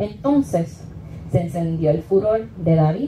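Light background noise and audible room echo surround a woman who talks at a fairly slow pace. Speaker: preacher. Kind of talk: sermon. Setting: church. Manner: animated, fervent preaching in full flow. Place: church. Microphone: camera far.

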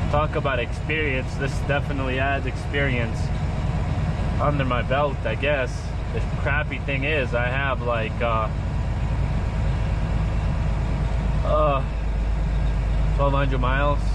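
The speech comes at a fairly slow pace with long, frequent pauses. The sound is dry with no echo, but loud background noise is present. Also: man. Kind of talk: casual vlog chat. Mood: stressed, frustrated. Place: car. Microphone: camera far.

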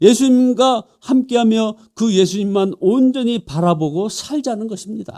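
A man speaks at a very slow pace. His pitch is high, and his tone is dark and mellow. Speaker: pastor. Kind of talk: sermon.

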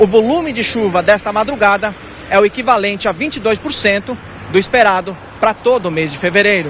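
The sound is dry with no echo, with light background noise. A man with a high pitch talks at a moderate pace and with ordinary pitch variation. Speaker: TV field reporter. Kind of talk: news report. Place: waterside. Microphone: handheld.

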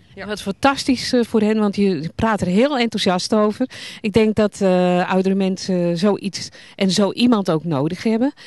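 A woman with an ordinary speaking voice talks at a moderate pace and medium pitch, with ordinary pitch variation against a quiet background. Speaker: TV presenter. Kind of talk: interview questions.

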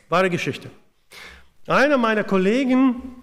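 With an Eastern European accent, a man speaks quietly at a high pitch with ordinary pitch variation. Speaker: preacher. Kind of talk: sermon to a church congregation, teaching with Bible readings and a closing prayer. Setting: church. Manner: conversational and explanatory, repeating 'ja' often, with a halting, improvised delivery; changes volume; says he may be too loud or too quiet. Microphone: podium.

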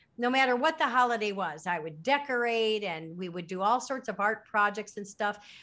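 A woman with a bright, sharp tone talks with lively intonation and hardly any pauses. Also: fairly high pitch for a woman. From US Midwest, Chicago suburbs; Illinois. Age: 50s. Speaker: author and educator; educator. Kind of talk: interview. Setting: remote call. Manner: halting. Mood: reflective, earnest. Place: home room. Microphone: video call.

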